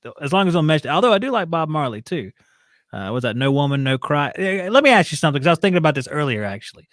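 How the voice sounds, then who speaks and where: A man's voice: fairly high pitch, very animated, fast, a bit bright, no echo, clean studio sound. A man in his forties chatting casually, easygoing and full of questions. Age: 40s. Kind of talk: casual chat.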